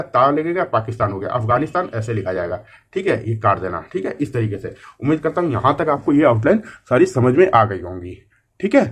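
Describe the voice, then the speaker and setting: A man's voice: a little high, a bit bright. A man teaching a shorthand class online, explaining each outline step by step and checking in with his students often.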